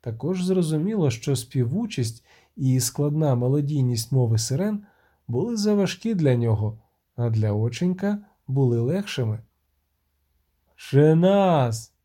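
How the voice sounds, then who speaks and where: Expressive male audiobook narrator. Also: medium pitch, normal speed. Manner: expressive storytelling. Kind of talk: scripted fantasy narration.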